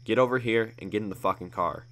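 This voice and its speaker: A man voicing a tough, threatening young male gang member who swears and shouts in a raised voice. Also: on the low side, fast talker. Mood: menacing. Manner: loud, swearing, aggressive.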